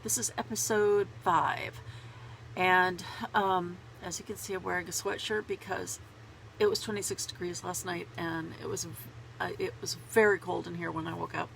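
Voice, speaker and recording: Woman vlogger with a head cold: bright, gravelly, stuffy-nosed, rambling and laughing at herself. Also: on the low side, fairly even intonation, normal speed, slight background noise, poor audio. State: congested with a cold. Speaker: knitting vlogger. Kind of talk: casual chat to camera. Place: small home closet.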